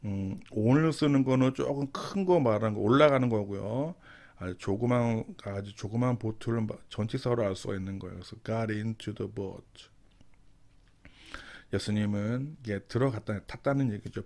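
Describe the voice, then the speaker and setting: A man teaching English through Bible verses. He reads each verse very slowly, then explains it, repeating and rephrasing the key words. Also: on the low side, a little mellow.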